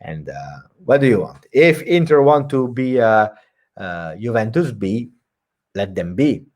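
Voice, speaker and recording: A man's voice: lowish voice, big pitch swings, a little slow, darkish tone. A man hosting a live post-match football reaction stream, talking emphatically and reading viewer comments aloud. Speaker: football channel host.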